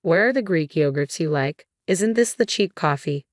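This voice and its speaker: A woman's voice: deep voice, lively intonation, moderate pace, dry recording, studio quality. A woman voicing a biting, sarcastic husband. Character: curt dismissive husband, grown man.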